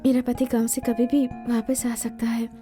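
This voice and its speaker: A fretful young wife and mother voiced by a woman in a film dub, speaking in a high, pleading voice. Film music plays clearly under her. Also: little pitch movement, normal speed, mellow, natural voice. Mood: anxious.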